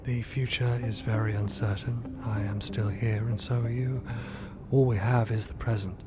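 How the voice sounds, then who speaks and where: A man playing a calm, blunt, enigmatic space explorer in an audio drama, speaking with deadpan certainty. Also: fairly low pitch, moderate pace, over loud music, natural voice. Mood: calm, frank.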